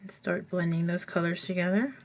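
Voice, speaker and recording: A woman with a somewhat low, slightly froggy voice talks casually through her coloring technique, thinking aloud as she works. It has the easy, unhurried feel of a hobby tutorial voice-over. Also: steady tone. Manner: chatty, thinking aloud while working.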